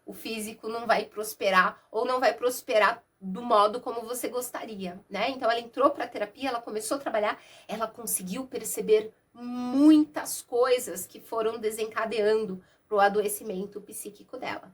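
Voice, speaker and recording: A Brazilian woman talks to her viewers like a therapist, her voice nasal and husky from a cold. She pitches a little high and keeps a chatty, easy flow. She records without a separate microphone. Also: moderate pace, hardly any pauses. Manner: warm, conversational, uses many diminutives and asides. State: has a cold. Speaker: therapist and mentor. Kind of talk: casual explainer talk to camera. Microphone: no external microphone.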